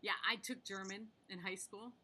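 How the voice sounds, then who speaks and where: A woman's voice: medium pitch, steady tone, normal speed, pushed and bright, poor audio. An American woman hosting a podcast interview, chatty and friendly as she asks questions and shares small asides. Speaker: podcast host. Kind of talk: casual interview chat.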